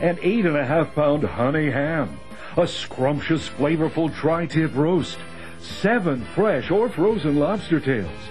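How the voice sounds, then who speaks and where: Against music in the background, a man speaks in a fairly high voice with ordinary pitch variation. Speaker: infomercial voice-over announcer. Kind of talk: TV commercial read.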